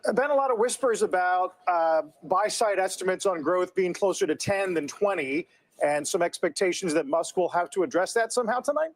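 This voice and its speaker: A man's voice: high voice, lively intonation, fairly quick, no room sound. A man anchoring a business TV interview, asking polished, leading questions of his guest. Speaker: TV news anchor.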